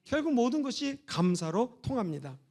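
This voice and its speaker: A middle-aged man from Seoul preaching a church sermon as pastor, moving between loud exhortation and soft, intimate asides. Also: very high-pitched, big pitch swings, moderate pace. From Seoul, South Korea. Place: church sanctuary.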